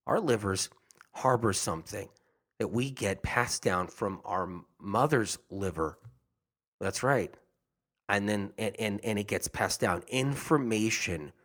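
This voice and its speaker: A man's voice: on the low side, animated, a little slow, a bit bright. A man talking casually and earnestly to his audience about health, rambling and often repeating himself. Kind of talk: casual monologue.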